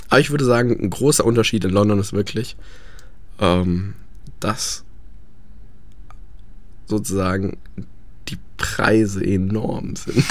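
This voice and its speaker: A young man chatting about life abroad, hesitant with many fillers. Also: fairly low pitch. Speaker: guest. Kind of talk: casual radio chat.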